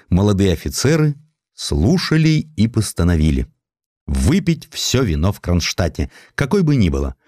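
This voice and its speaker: A man with a deep voice narrates a historical tale. His delivery is theatrical and highly animated, swinging widely in pitch like a storyteller acting out a literary piece. The sound is dry and close, with no room around it. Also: dry recording. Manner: expressive, theatrical storytelling with acted quotes. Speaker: narrator, audiobook reader.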